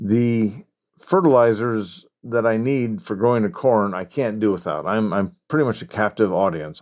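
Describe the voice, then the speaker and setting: In a very clean recording with a silent background, a man talks at a moderate pace with an American accent. His is a plain, everyday voice with ordinary pitch variation. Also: medium pitch for a man. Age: 60s. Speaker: farmer. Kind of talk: interview.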